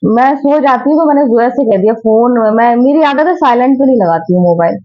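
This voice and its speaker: Tired woman vlogging from her bedroom, kinda high voice, chatty, muffled phone audio. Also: expressive, a little fast. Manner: chatty, talks to viewers and her children. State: sleepy and tired. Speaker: family vlogger. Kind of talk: casual home vlog narration. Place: bedroom at home.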